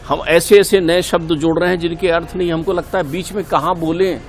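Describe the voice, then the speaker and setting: A man's voice: fairly high pitch, steady tone, fairly quick, slight background noise. A middle-aged man giving a spiritual talk as a guest in a TV interview, earnest and preaching, repeating key points for emphasis.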